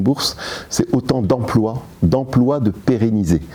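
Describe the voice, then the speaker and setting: Noticeable background noise sits behind a man with fairly low pitch. He speaks at a moderate pace with ordinary pitch variation. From Morocco. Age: 60s. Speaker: entrepreneur. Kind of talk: interview.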